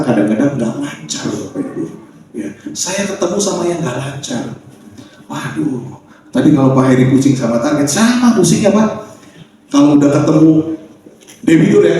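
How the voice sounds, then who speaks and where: A man's voice: medium pitch, dark tone, a little hiss or hum. A man preaching a sermon in a chatty, joking storytelling manner, with asides to the congregation. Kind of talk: sermon with personal stories. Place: church sanctuary. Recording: very echoey church hall, voice from far off.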